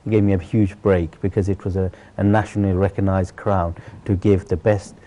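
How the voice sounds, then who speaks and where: Low-pitched and dark-toned, this middle-aged man from Sylhet, Bangladesh, a celebrity chef, shares his personal story as an interview guest. He talks a little fast with little pitch movement, earnest and emphatic, repeating himself often.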